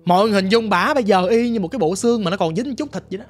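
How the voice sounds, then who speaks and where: A woman's voice: medium pitch, racing, faint music behind. A woman with a Southern Vietnamese accent telling her ghost story in a vivid, dramatic, casual way, talking straight to the listener. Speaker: storyteller guest.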